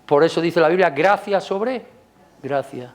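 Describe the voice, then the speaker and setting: Higher-voiced Spanish preacher, rising with emphasis. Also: male voice, unhurried. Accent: Spanish from Spain. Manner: conversational, rhetorical questions to the congregation; rises loud and high on emphasis, drops soft. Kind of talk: sermon. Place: church service.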